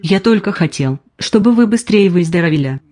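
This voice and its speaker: A man interviewing a patient, putting brisk prompting questions to her. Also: sits high, expressive, mellow. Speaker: interviewer and therapist.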